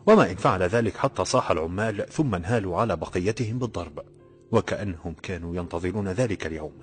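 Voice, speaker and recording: A man narrating a novel in a steady, measured storytelling voice. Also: deep voice, soft background music. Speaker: audiobook narrator. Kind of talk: scripted narration.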